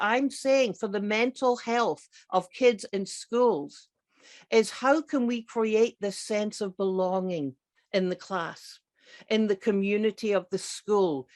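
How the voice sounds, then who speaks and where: A middle-aged woman with a Scottish accent speaks at a conference. She is emphatic and enthusiastic and repeats key words for weight. Her pitch sits in the middle of the usual range for a woman. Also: a little mellow. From grew up partly in Scotland. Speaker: psychiatrist and keynote speaker. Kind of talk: conference presentation.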